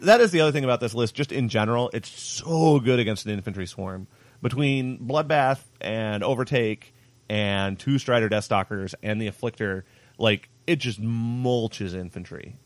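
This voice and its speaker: A man's voice: mid-range voice, normal speed, no room sound. A young man casually commentating his own tabletop battle, joking about his mistakes and laughing often. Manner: self-mocking, laughs often. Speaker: player narrating his own recorded game.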